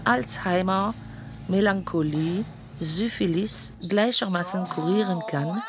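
A prim middle-class mother justifies herself in a radio play. Her voice is slightly low and extremely slow, each phrase set down deliberately. Loud guitar music runs under her words. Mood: earnest, self-justifying.

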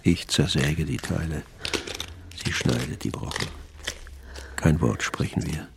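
A man narrating in the inner voice of a brooding, jealous husband in a radio play, measured and often whispered. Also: extremely low pitch, gravelly, background noise, heavily acted.

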